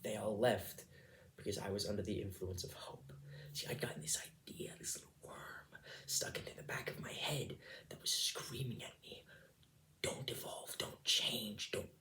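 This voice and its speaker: A man playing a wounded, bitter gay son in a dramatic confessional monologue, speaking in hushed, breathy, halting phrases. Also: lowish voice, whispered, rough recording. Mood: bitter, desperate. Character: wounded young gay son, solemn and bitter, recalling rejection. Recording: quiet voice with noticeable noise, clicks.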